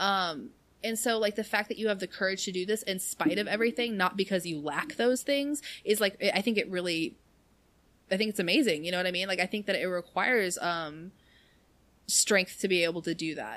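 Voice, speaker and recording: Her tone is animated, her pace fairly quick. The woman's medium pitch shows ordinary variation. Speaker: podcast host. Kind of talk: casual chat. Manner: giggly, animated.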